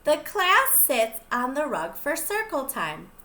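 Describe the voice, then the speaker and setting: A pre-K teacher, a woman, reading a picture book aloud to young children in an expressive, sing-song way. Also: high-pitched, takes it slowly.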